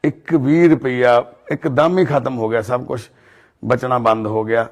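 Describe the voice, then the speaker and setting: A man's voice: mid-range voice, fairly even intonation, measured pace. Earnest Punjabi man, narrating. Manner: earnest, soothing, speaks of divine duty. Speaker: charity volunteer host. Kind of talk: documentary narration and consoling talk. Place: outdoors in a residential colony.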